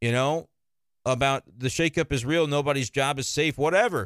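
A fairly high-pitched man speaks at a moderate pace. The recording is very clean, with a silent background and a dry, close sound with no echo. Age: 20s. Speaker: sports podcaster. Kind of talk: live stream sports talk. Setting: home live stream.

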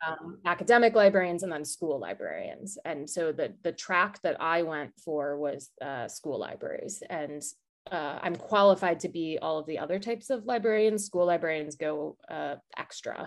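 A woman with a fairly low pitch speaks in an American accent, using a normal speaking voice. Her pace is moderate and her pitch varies in an ordinary way. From New York. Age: 30s. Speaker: writer and former librarian. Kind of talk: interview conversation.

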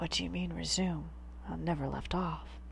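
Someone uses a put-on character voice at a moderate pace. Background noise is clearly audible. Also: man. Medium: read story. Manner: terse, harsh.

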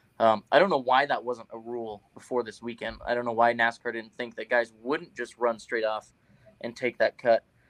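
A man with an ordinary speaking voice talks at a medium pitch and moderate pace with fairly even intonation and big swings in loudness, in a dry, close sound with no echo. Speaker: co-host. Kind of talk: casual chat about motorsports.

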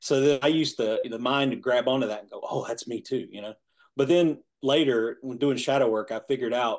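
In an unremarkable speaking voice, a man with an American accent talks at a fairly quick pace and medium pitch against a quiet background, with fairly even intonation and big swings in loudness. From US South, North Carolina. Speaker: interviewee on spiritual awakening. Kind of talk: interview.

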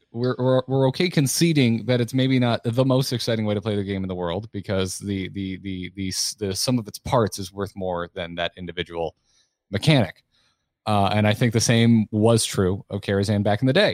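The recording has a dry, close sound with no echo as a man with a normal speaking voice talks at a moderate pace and fairly low pitch. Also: ordinary pitch variation. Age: 30s. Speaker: podcast co-host. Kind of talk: casual chat.

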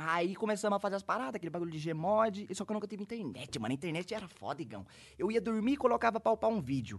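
A man's high-pitched voice, very fast pace and lively intonation. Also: quiet background. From Brazil, São Paulo state (Taubaté). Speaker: gamer streamer. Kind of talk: casual chat.

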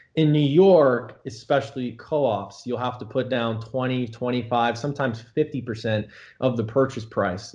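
With an American accent and an unremarkable speaking voice, a man speaks fairly slowly at a medium pitch, his pitch varying in an ordinary way. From Florida. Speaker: real estate broker. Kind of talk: casual chat.

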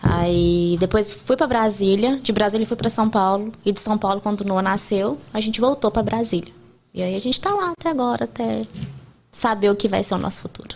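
At a fairly quick pace, a woman with medium pitch and ordinary pitch variation speaks in a plain, everyday voice. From Brazil, Minas Gerais. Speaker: digital influencer. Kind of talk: casual chat.

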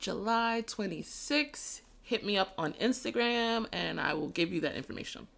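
Using vocal fry, a woman talks at a moderate pace with hardly any pauses, her fairly high pitch moving in lively intonation. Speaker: guest, office professional. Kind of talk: casual chat.

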